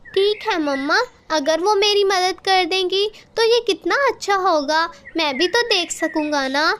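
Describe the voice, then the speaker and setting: A woman's voice: very high-pitched, measured pace, fairly bright tone. A woman voicing a small blind boy crow chick in a cartoon story, innocent and pleading.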